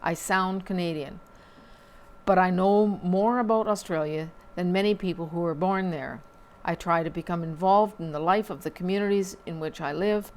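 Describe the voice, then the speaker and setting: A woman reading local newspaper items aloud at a measured pace, with small slips and dry asides. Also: lowish voice, a little mellow.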